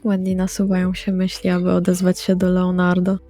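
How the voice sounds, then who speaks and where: A woman's voice: lowish voice, completely flat delivery, a little fast, warm tone, dry recording. A woman playing a tabletop role-playing game, casually saying what her character does. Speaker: tabletop RPG player. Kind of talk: casual spoken role-play with game master. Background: background music.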